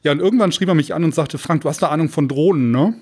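A man's voice: a little high, fast, darkish tone, breathy edge. Casual man hosting a podcast. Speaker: podcast co-host.

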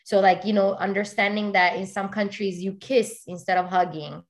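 A woman's voice: medium pitch, fairly even intonation, moderate pace. A woman from Italy, a guest in an interview, talking in an earnest, casual way and filling her speech with "you know" and "like".

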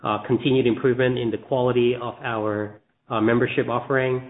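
A man giving measured business answers on an earnings call. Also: medium pitch, little pitch movement. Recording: narrowband phone line.

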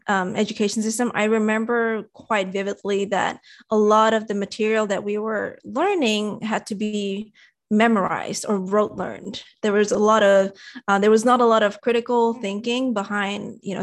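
A woman's voice: medium pitch, steady tone, normal speed. A woman in her thirties from Indonesia, raised in Sydney, whose first language is Indonesian, speaking as an interview guest over a video call in an articulate, upbeat way. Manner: articulate, upbeat, laughs easily. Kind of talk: casual interview.

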